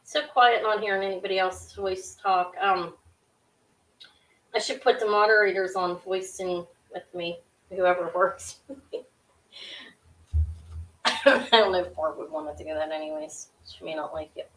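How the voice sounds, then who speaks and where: A middle-aged woman with a sharp, high-pitched voice runs a live jewelry auction into her webcam at home. She talks quickly and loosely, filling gaps with ums and self-corrections as she chats with viewers. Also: steady tone, rough recording. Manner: quick, scattered, chatty with frequent ums and restarts. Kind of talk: casual live-stream selling. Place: small home room with shelves of jewelry displays.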